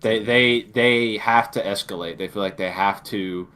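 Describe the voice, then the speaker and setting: A man's voice: lowish voice, steady tone, a little slow, pushed and bright, smooth. A man co-hosting a casual discussion, thinking aloud and often rephrasing as he goes. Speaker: podcast co-host.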